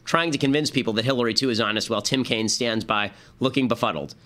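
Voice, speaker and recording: A man hosting a political podcast with mocking, sarcastic jokes, hoarse from a cough. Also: mid-range voice, fast talker, pushed and bright. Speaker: podcast host.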